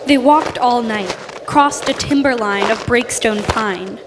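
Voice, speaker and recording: A woman's voice: a little high, slow. A teenage girl delivering scripted, dramatic narration for a live radio play. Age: teens. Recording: very noisy live theatre recording.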